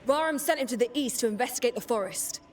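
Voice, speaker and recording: An actress playing a wary, practical female warrior in a video game, speaking in a serious, measured way. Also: on the high side, expressive, slight background noise, lightly acted. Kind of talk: video game cutscene acting.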